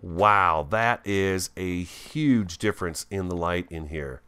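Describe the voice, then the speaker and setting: A man giving casual, chatty gameplay commentary as a host, thinking aloud and easily excited, talking with a swollen, bitten tongue. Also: sits low, slow pace, clear, resonant tone. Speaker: gaming video host.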